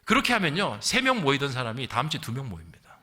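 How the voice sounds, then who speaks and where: A man's voice: mid-range voice, huge pitch swings, quick pace, pushed and bright. A middle-aged man from the Gyeongsang region of South Korea preaching a sermon as a pastor, in a conversational storytelling way with rhetorical questions. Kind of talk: sermon with anecdotes and acted-out quotes. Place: large reverberant church hall. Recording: long hall reverb.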